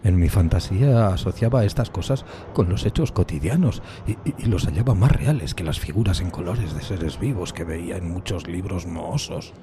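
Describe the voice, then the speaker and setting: An actor playing a tormented, solitary outcast in a gothic horror audiodrama, speaking in a brooding, solemn, halting dramatic way. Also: male voice, sits low, lively intonation, noisy background. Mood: desolate, brooding. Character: tormented solitary outcast man recalling a decayed gothic castle. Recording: music bed behind the voice.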